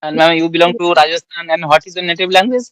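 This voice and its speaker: A man from West Bengal with an Indian accent, asking polite, halting questions with many restarts on an English practice call. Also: fairly high pitch, flat delivery, fairly bright tone, dry recording, low-quality recording. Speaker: conversation partner asking questions. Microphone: online call.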